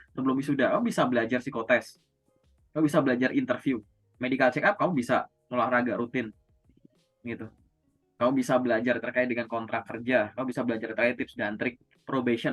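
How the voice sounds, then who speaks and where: A man's voice: medium pitch, lo-fi sound. A man coaching job seekers in a casual, conversational way, asking and answering his own questions. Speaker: career coach.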